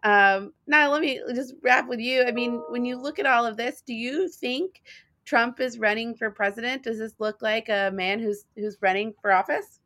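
A woman's voice: fairly high pitch, normal speed, pushed and bright, no room sound. A woman moderating a conversational roundtable as its host, putting questions to panellists.

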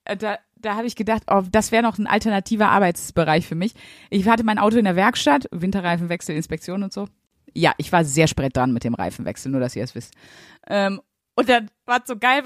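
A woman co-hosting a podcast, chatting casually as a lively storyteller with blunt, crude humor. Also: medium pitch, no room sound, clean studio sound. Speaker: podcast co-host. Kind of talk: casual chat.

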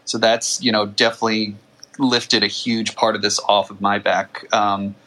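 A man's voice: on the low side, little pitch movement, moderate pace, pushed and bright, poor audio. A man, a founder speaking as a guest, chatting casually with lots of um and you know. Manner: filler-heavy, um and you know. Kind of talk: casual conversation.

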